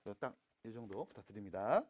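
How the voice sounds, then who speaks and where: A man teaching math to high school students in a classroom, casual and teasing, switching between polite and plain speech. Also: lively intonation, fast talker, darkish tone, muffled recording. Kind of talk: classroom lecture.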